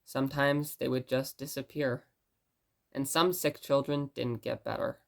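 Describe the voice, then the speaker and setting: A woman acting as a gentle radio host in an audio drama, telling stories in a musing, conversational way. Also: extremely low pitch, steady tone, unhurried, gravelly, exaggerated voice. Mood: gentle storytelling. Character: rambling, gentle blind radio station host.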